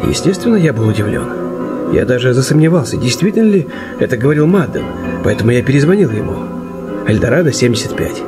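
Male actor as wary jeweler, courteous, thoughtful, medium pitch, radio play, background music. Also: big pitch swings, close to an everyday voice. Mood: worried. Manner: measured, thoughtful. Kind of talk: Russian radio play, dialogue and narration. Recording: music playing behind the voice.

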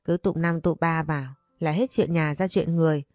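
A woman voicing a gruff old father who grumbles dismissively. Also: low-pitched, fairly even intonation, normal speed, a little mellow, no room sound, clean studio sound, faint music behind, lightly acted.

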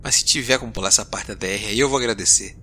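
Give me a man playing a tired starship captain who grumbles and sighs at his cheeky AI. His voice is low but bright and forceful, over a faint low hum of the ship. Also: rapid-fire. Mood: exasperated. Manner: grumbling, sarcastic, sighing. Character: weary male space explorer captain, easily exasperated.

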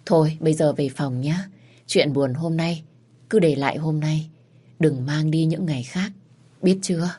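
A woman voicing a gentle, protective young man who speaks soothingly and tenderly, in a storybook reading. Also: sits low, unhurried, breathy edge.

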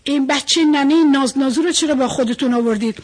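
A woman's voice: high voice, darkish tone, close to an everyday voice. A woman voicing a brave, defiant little black fish who speaks scornfully and firmly in a storybook reading. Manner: scornful, firm.

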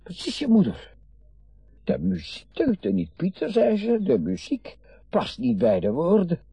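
A husky, garrulous old father. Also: fairly high pitch, wildly swooping pitch, measured pace, warm tone, dry recording, full character voice. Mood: bitter, exasperated. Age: 60s. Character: garrulous, meddling, wistful retired father of sixty-five. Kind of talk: naturalistic radio drama acting.

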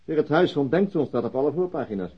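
A man's voice: a little high, lively intonation, fast, slightly rough. A man playing a terse, weary middle-aged police inspector in a radio drama. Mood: curious. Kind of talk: Dutch radio drama dialogue. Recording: dull lo-fi radio drama recording.

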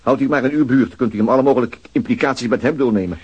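An actor in a radio play playing a weary male police detective who questions people in a dry, sarcastic way, with a husky voice. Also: medium pitch, racing, a little mellow, highs cut off, lightly acted. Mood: sardonic. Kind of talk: Dutch radio play acting.

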